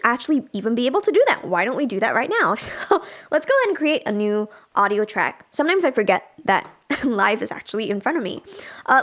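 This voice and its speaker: Woman giving a chatty software tutorial. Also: on the high side. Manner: chatty, informal, thinks aloud while demonstrating. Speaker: music production trainer. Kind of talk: casual livestream software tutorial.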